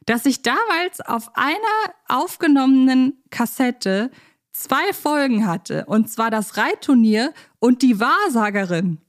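A woman's voice: on the high side, animated, unhurried. Chatty woman in casual podcast talk. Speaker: podcast co-host. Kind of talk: casual fan podcast discussion.

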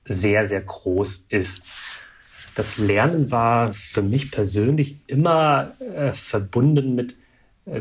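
Interview guest, male, thirties, low voice, calm and analytical, occasional hesitations. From Germany. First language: Vietnamese. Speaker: guest, alumnus. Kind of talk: reflective interview answers.

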